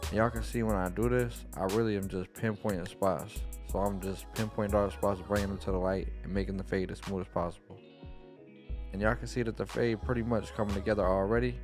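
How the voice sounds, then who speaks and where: A young barber records a laid-back tutorial voice-over in plain instructional language from a small, dim room at home. He speaks into a studio mic on a boom arm, his tone darkish, with faint guitar music underneath.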